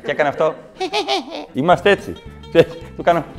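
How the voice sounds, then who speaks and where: A man telling stand-up comedy stories, animated and switching into mock voices. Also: a little high, soft background music.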